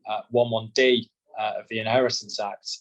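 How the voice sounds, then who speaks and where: A man answering as a solicitor, measured and explanatory, often repeating words as he restarts. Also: on the low side, little pitch movement. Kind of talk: expert interview answers.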